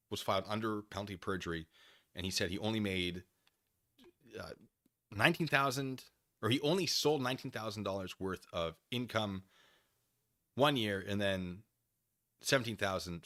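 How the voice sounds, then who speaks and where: A man's voice: lowish voice, expressive, moderate pace, pauses often, fairly bright tone, dry recording, studio quality. A man hosting a livestream in casual chat, rambling wryly as he reads and answers viewers and acts out imagined exchanges.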